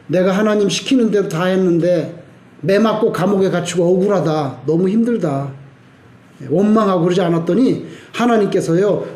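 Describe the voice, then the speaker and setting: A male pastor preaching a sermon, telling the story with lively acted-out quotes and sudden shouts. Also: high-pitched. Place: church sanctuary. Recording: echoey church sanctuary.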